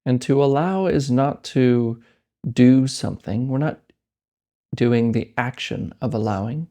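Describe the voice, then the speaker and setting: A man leading a guided meditation as host, speaking gently in unhurried phrases with deliberate pauses. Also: mid-range voice.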